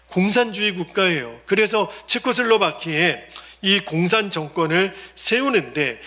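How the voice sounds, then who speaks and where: A man preaching from the pulpit in a high, ringing voice with a bright, forceful edge. He tells the story vividly and lowers his voice sharply for quoted speech. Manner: animated storytelling, voice dropping low for quoted speech. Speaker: pastor. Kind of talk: sermon storytelling. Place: church sanctuary.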